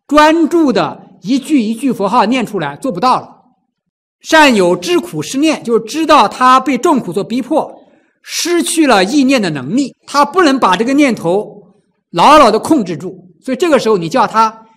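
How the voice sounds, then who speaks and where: A man with a high, lively voice preaches a Buddhist sermon. He swoops up and down through his range, fires rhetorical questions at the listeners and acts out people crying out in pain.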